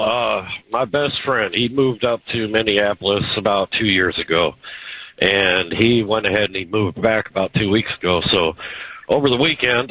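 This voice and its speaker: A man calling in to a radio show, telling a story in a casual, halting way with many fillers. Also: fairly low pitch, no room sound. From Chicago. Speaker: caller. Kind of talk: phone-in call. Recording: dull lo-fi phone line.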